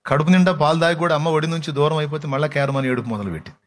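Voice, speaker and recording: A man preaching a sermon with passion, moving between hushed, tender speech and heartfelt pleading, with a Telugu accent. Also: fairly high pitch, rapid-fire. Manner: impassioned preaching that breaks into song, soft and hushed at times. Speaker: pastor. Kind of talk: sermon with sung worship.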